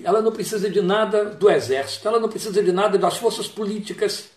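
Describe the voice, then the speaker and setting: A man with a high voice retells a Bible story as a sermon, voicing its people in quoted lines and stopping to reflect on them. The room is echoey and reverberant. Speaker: preacher.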